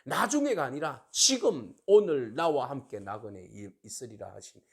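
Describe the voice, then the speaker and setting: A male pastor preaching a sermon in an animated way, often asking his listeners to agree and acting out the taunts of mockers. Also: mid-range voice, moderate pace, gravelly, husky. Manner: asks the congregation for agreement.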